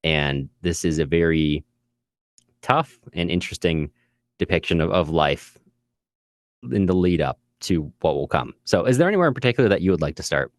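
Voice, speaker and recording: A man's voice: low-pitched, expressive, normal speed, dry recording, studio quality. A man hosting a podcast in conversational literary discussion, thoughtful and a little tentative in how he puts his points. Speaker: podcast host.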